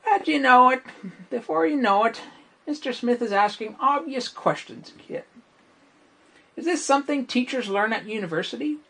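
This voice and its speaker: A man's voice: very high-pitched, normal speed, gravelly, full character voice. A man playing a chatty, self-assured teenage schoolboy in a wry comic stage monologue. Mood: wry, unimpressed. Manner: animated, wry, conversational storytelling.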